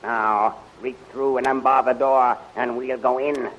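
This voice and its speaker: A man's voice: medium pitch, little pitch movement, unhurried, close to an everyday voice. Man acting an imperious villain general, old radio. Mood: eager, scheming. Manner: barking orders, theatrical. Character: imperious, impatient male villain general of rebel army. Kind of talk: 1930s radio serial acting. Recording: dull, noisy 1930s radio recording.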